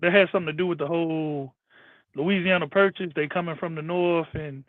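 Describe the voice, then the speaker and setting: A man's voice: on the high side, steady tone, a little fast, dry recording. A man on an online panel, chatting casually and explaining history with many restarts. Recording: tinny phone-line sound.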